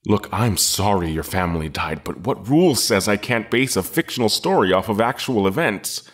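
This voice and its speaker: A man's voice: fairly low pitch, animated, moderate pace, lightly acted. A man playing a frightened, defensive kidnapped novelist in an audio drama, pleading and stammering. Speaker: kidnapped guest character.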